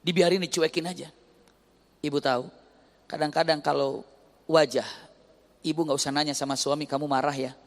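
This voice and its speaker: A man's voice: fairly high pitch, fairly even intonation, normal speed, creaky, long pauses. A male Islamic preacher giving a sermon, telling a story and acting out the voices of its people. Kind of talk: sermon with acted stories. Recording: long hall reverb.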